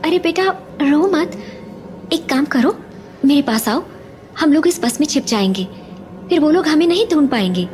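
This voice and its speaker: A woman playing a caring young mother, high. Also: animated, moderate pace, long pauses, a little hiss or hum. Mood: soothing. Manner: gentle, soothing.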